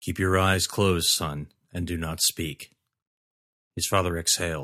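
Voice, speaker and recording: On a very clean recording with a silent background, a man with a very deep, low pitch and a bright, sharp tone speaks fairly slowly in a flat monotone. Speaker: podcast author and narrator. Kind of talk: dramatic fiction narration, read aloud as atmospheric horror/fantasy storytelling. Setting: home studio with failing mic. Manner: hushed, brooding and measured, building suspense; voices the father with strained urgency; casual, wry and chatty in the intro, swears lightly.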